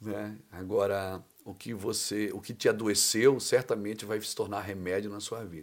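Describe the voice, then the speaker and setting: A man's fairly low voice, monotone and flat, at a moderate pace, with big swings in loudness. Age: 50s. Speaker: pastor. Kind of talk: casual chat.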